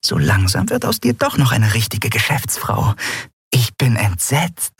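A man's voice: medium pitch, huge pitch swings, a little slow, slightly rough, no echo, clean studio sound, pitched above the performer's own voice, full character voice. Man doing a teasing young woman friend. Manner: teasing, whispered asides.

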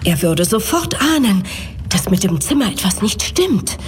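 Haughty, anxious elderly lady, played by an actress, animated pitch. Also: normal speed, a little hiss or hum, natural voice. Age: older. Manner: formal, genteel, theatrical delivery. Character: haughty, anxious elderly English aristocratic mother, haunted. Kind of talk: German audio drama acting.

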